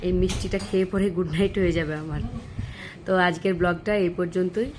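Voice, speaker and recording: A woman chatting to viewers in a casual daily vlog, speaking softly because of a sore throat. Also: fairly low pitch, fairly even intonation, fast talker. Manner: chatty, addresses viewers directly. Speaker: vlogger. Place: home and outdoors, moving around. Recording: noisy phone recording.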